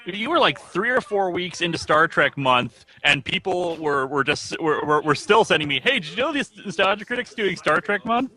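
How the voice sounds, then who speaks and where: A man chatting casually in a film commentary, wry and quick to laugh, stammering at times. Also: sits high, expressive, sharp tone. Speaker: guest reviewer.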